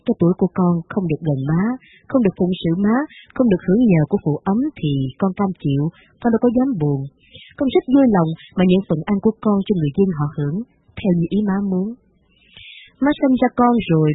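Woman putting on a resentful grown son, formal and dutiful, husky, dry tinny audio. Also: medium pitch, no room sound, voice pushed down. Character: grown son writing a bitter, dutiful letter to his mother.

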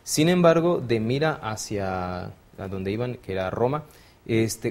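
A young man from Mexico, a theology student, retelling a Bible passage in relaxed conversation with frequent fillers. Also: mid-range voice. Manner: thoughtful, frequent fillers like "este" and "¿no?". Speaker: theology student, panel guest.

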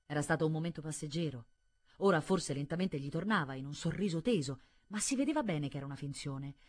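A woman reading a literary audiobook in an expressive, dramatic way. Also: low-pitched, quick pace. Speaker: audiobook reader.

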